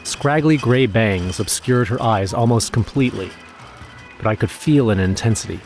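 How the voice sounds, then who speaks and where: An actor playing a wry, uneasy everyman who narrates his own horror story in a measured, scripted style. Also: fairly low pitch, darkish tone, faint music behind, lightly acted. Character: wry, nervous everyman narrator recounting a snowstorm errand.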